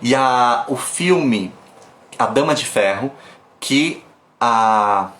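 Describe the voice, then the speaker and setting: A man from Brazil giving a live online pronunciation class on his phone, chatty and lively, stopping to demonstrate sounds. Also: mid-range voice, drawn-out words, roomy sound. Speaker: English teacher. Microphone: phone camera.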